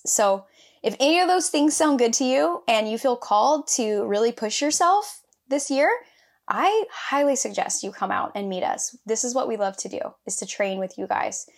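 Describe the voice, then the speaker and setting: Woman, team member, promo read, upbeat, inviting. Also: mid-range voice. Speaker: podcast team member reading announcements.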